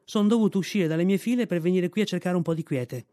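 A man voicing a gruff, bossy old army mule who scolds bluntly and briskly in a storybook reading. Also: sits high, mellow, dry recording, clean studio sound, pitched above the performer's own voice, close to an everyday voice.

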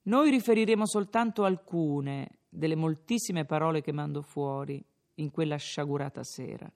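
A man reading a classic novel aloud in measured, quiet storytelling narration. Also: a little high, creaky. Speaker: audiobook reader. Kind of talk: scripted literary narration.

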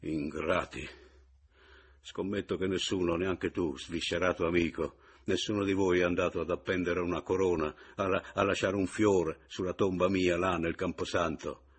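A man voicing a sardonic, teasing man back from supposed death, in a husky, theatrical voice. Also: deep voice, fairly even intonation, normal speed.

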